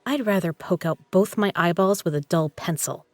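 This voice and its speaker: A woman's voice: fairly low pitch, moderate pace, no room sound, soft background music, lightly acted. A woman playing a tough, guarded poker legend in an audio drama, with a blunt, sardonic way of talking. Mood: cold, defiant.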